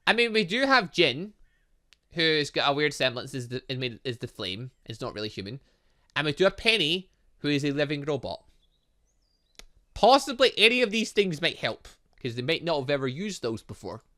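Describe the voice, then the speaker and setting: A man giving animated let's play commentary on a video game, reading dialogue aloud and adding sarcastic asides. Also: a little high, normal speed. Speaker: gaming channel host.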